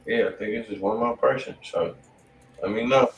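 A man's voice: fairly low pitch, normal speed. An American man hosting a music review livestream, chatting casually in slangy, profane talk. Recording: echoey room, distant mic, faint noise.

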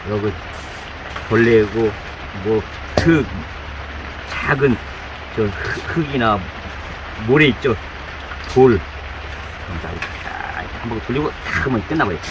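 Man chanting cooking steps over rain. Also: mid-range voice. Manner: repetitive running commentary while working, chanting instructions. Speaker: cooking channel host. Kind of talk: hands-on cooking demonstration. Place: indoors with downpour outside. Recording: heavy rain noise behind the voice.

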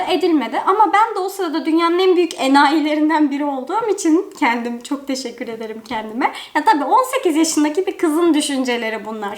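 A young woman tells a personal story in a chatty, expressive way, packed with fillers. Her voice is high and swings widely in pitch. A roomy echo of an indoor room surrounds her. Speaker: storytime vlogger. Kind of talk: casual storytelling.

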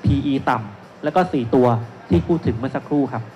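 A man's voice: medium pitch, fast, dark tone, highs cut off, soft background music. A man in his thirties speaking as an analyst on a seminar stage into a handheld mic, explaining step by step with frequent polite particles. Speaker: securities analyst, panel speaker. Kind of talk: investment seminar presentation. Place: stage at a shopping mall expo, indoors. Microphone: handheld microphone. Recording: noisy live event sound.

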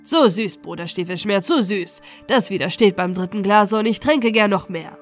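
A woman's voice: mid-range voice, normal speed, faint music behind, natural voice. A woman voicing a sturdy, cheeky male butcher in a storybook, forthright and fond of proposing toasts. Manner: forthright, convivial, declamatory. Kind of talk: storybook character voice in an audiobook.

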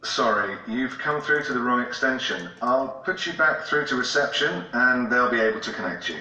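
A man's voice: medium pitch, animated, moderate pace, bright, forceful tone, recorded from a distance, dull audio. A man acting a direct, businesslike office phone speaker in a scripted language-course dialogue. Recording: echoey course audio playback.

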